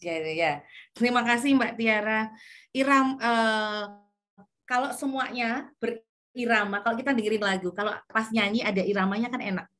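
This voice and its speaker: A woman's voice: fairly high pitch, moderate pace, fairly bright tone. Woman teaching public speaking online. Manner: demonstrative, shifts intonation to show examples. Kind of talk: online class lecture. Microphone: video call.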